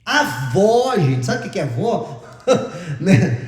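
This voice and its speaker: A man's voice: sits high, very animated, takes it slowly. A Brazilian man preaching a sermon as pastor, in a chatty, joking storytelling manner, in a large church. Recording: echoey church from a distance.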